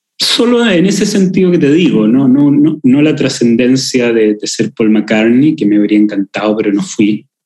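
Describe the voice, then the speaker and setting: A man with a Chilean accent, medium-pitched, lively in intonation, at a moderate pace with hardly any pauses. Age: 50s. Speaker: physicist and writer. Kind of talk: interview.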